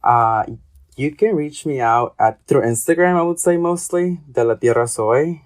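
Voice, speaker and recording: A man's voice: on the high side, moderate pace. Rambling young man from Ecuador. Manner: hesitant, rambling, many fillers. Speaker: guest, artist and graduate student. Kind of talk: casual interview talk.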